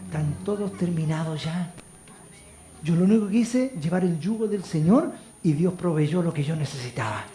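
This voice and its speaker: A man with a Chilean accent preaching a sermon as pastor, moving between loud calls to the congregation and quiet storytelling. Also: high voice. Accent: Chilean Spanish. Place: church. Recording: echoey church hall.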